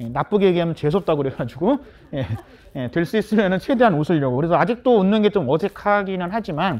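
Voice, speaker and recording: This man talks at a very fast pace with lively intonation. His voice sits high for a man. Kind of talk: lecture. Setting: tent lecture for volunteers. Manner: loud.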